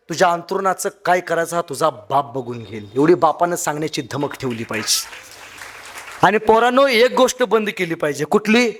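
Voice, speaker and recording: Young man, high voice, fervent motivational speech, speaks straight to the crowd, loud and hushed by turns. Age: young adult. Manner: fervent, addresses the crowd directly, swings between loud and hushed. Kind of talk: impassioned public speech.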